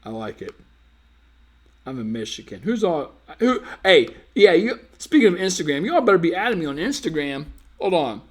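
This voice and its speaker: A man's voice: fairly high pitch, very animated, normal speed, husky. A man hosting a dating-advice live stream, casually reading viewer comments and teasing them in a playful, slangy way.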